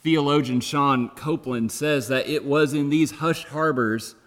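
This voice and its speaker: Pastor preaching in a reverberant church. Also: male voice, on the high side. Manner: earnest and reflective, with careful pauses. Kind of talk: sermon.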